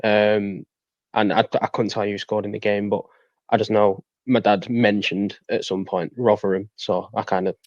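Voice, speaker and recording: A young man speaks in a lowish voice as a podcast guest. The sound is dry and a little dull, and his delivery is casual and conversational. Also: little pitch movement, moderate pace, a little mellow, no echo. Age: 20s. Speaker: fan guest. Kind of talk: casual interview chat.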